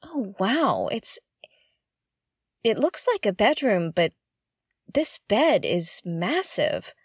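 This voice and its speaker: A woman's voice: mid-range voice, very animated, slow pace, slightly rough, dry recording, full character voice. A woman playing a curious, jittery explorer alone on a derelict spaceship, thinking aloud in an audio drama in a hesitant, exclamatory way. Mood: awed, uneasy. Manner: hesitant, exclamatory, muttering to herself.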